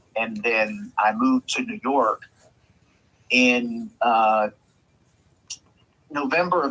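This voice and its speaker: A man with a Southern US accent, at a very slow pace with long, frequent pauses. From US South, Mississippi. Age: 50s. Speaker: tennis club manager. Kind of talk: interview.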